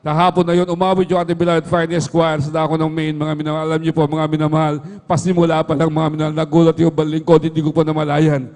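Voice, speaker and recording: In a long hall reverb, a church member gives an earnest testimony at a worship service, his fairly high, darkish voice fast and completely flat. After nearly every phrase he repeats a fond address to the listeners.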